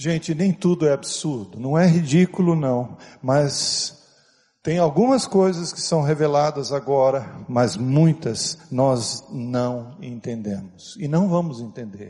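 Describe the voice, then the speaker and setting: A man's fairly high pitch with lively intonation, at a very slow pace. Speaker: pastor. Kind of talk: sermon. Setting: church.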